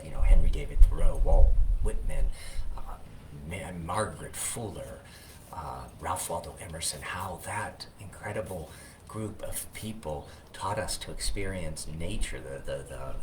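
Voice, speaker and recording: A man who is a minister, speaking informally and reflectively with pauses, sharing thoughts and poetry. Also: low voice. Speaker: Unitarian Universalist minister. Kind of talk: informal video talk with poetry reading. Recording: distant mic, loud background noise.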